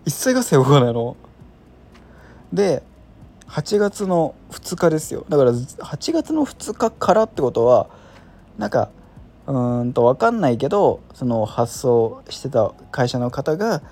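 Rambling man with a mellow voice. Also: medium pitch, very animated, a little slow. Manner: rambling, self-deprecating, many fillers. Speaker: podcast host. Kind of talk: casual solo chat.

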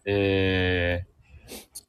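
A man's voice: low voice, monotone, drawn-out words, clean tone. A man speaking as a guest in a casual chat, explaining his picks while searching for words. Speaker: radio show guest.

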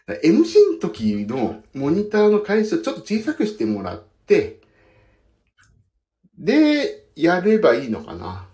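At a normal speed, a slightly high, mellow male voice swings hugely in pitch. The pianist-podcaster casually rambles about his work from a foot bath in the bathroom, mixing in self-mocking asides, and the recording carries the room's echo.

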